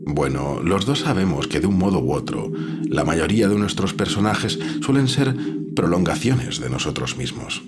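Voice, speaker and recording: A calm, analytical editor for audio drama; very deep, animated pitch, noticeable background noise. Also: male voice. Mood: thoughtful, advising. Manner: measured, reflective, reasoning.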